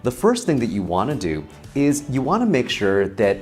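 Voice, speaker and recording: A man with a middle-pitched voice and lively, swinging intonation teaches presentation skills in an instructional video. He speaks clearly and demonstrates each tip as he goes, with soft music playing faintly behind him. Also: moderate pace.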